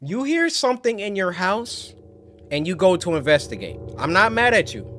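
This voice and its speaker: A man's voice: high-pitched, sing-song, normal speed, fairly bright tone. A man hosting a horror video reaction show, talking casually and jokingly to his viewers in slangy, exclamatory commentary.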